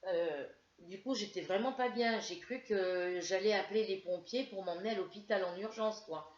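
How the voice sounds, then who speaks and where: A French crafts vlogger chats casually to camera in a mid-range voice at a normal speed, telling her viewers a rambling story full of hesitations while she's ill with a headache. It's a roomy, dull lo-fi home recording.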